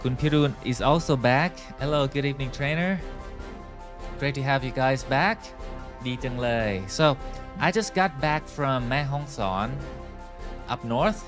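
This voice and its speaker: A man hosting a live online English lesson, speaking slowly and clearly with many fillers. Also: on the high side, over music. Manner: switches between Thai and English, slow and clear with many fillers.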